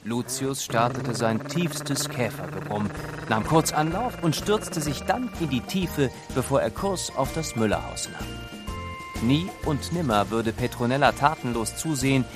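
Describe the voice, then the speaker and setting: A man narrating a scripted children's story in an expressive, deliberate storytelling manner. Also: mid-range voice. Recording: studio narration over music. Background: music.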